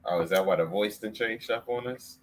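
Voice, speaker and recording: A man's voice: lowish voice, brisk. A man co-hosting a podcast in casual chat, laid-back and teasing. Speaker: podcast co-host.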